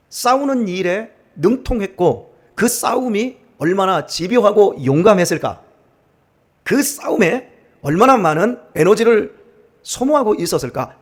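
A middle-aged man from central Korea, a pastor giving a sermon in a church, telling stories with humor and acting out the way other people talk. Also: high voice. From Chungcheong region, Korea. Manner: animated, acts out dialects and laughs while telling stories. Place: church sanctuary.

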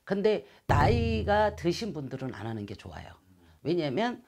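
A woman's voice: fairly low pitch, very animated, normal speed, darkish tone, soft background music. A middle-aged woman, a shaman fortune teller, earnestly explaining things in an interview, speaking in a shrine room with a clip-on mic. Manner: earnest, explanatory, gestures with hands. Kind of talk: interview answers. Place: shrine room with calligraphy screens.

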